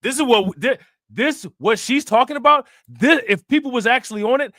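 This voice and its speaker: A man with a high, bright, sharp voice talks back at a news clip on his stream in loose, joking commentary. He laughs often and repeats his points for emphasis. The sound is dry and close. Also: moderate pace, dry recording. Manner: joking, laughing, repeats himself, reads chat shout-outs. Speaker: livestream host reacting to news clip. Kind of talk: casual reaction commentary.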